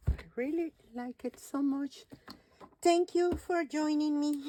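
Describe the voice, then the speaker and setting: This woman talks rather slowly in a non-native accent. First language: not English. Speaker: crafting tutorial creator. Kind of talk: tutorial.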